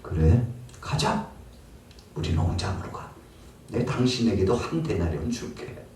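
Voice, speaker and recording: A man's voice: lowish voice, animated, unhurried, darkish tone, a little hiss or hum. A man voicing a generous male vineyard owner who talks in a brusque, commanding way. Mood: kind. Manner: brusque, scolding then kind. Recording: roomy hall, mic far off.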